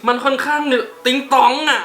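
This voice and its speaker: A man hosting a casual countdown in a chatty way, who giggles often and gets excited and squeaky. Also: brisk, roomy sound. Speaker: YouTube host.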